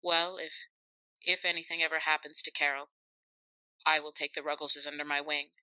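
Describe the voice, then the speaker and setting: A woman doing a kindly uncle muttering to himself, a little lower and quieter than her narration, bright crisp tone. a storybook man, protective and thoughtful. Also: flat delivery, normal speed, no echo, rough recording. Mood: musing.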